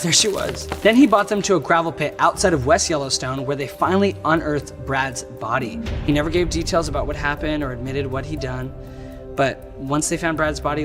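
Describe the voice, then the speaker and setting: A man hosting a true crime show, narrating casually with wry jokes and slang asides. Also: fairly high pitch. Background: background music.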